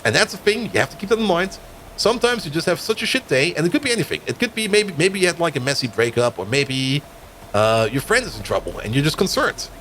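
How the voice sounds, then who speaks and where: A man's voice: fairly high pitch, big pitch swings, fast talker, a bit bright, slight background noise. A man from Germany whose first language is Dutch, chatting casually on a live gaming stream and laughing often between remarks. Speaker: game streamer.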